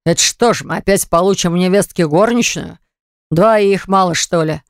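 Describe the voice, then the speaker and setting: Calm, grudging older grandfather, read by a woman, low and unhurried, dry sound. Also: no echo, lightly acted. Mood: alarmed.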